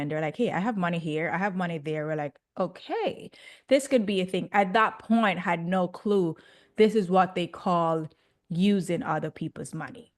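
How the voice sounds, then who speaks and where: Jamaican woman, young adult, chatty podcast guest, lowish voice, laughs a lot. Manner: chatty, laughs often, excitable. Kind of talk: casual interview.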